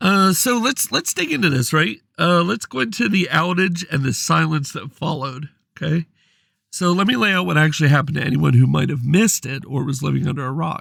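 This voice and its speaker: A man with a fairly high pitch talks at a fairly quick pace, with vocal fry. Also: lively intonation. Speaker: gaming podcast host. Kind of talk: casual podcast monologue. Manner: many fillers, uh and um.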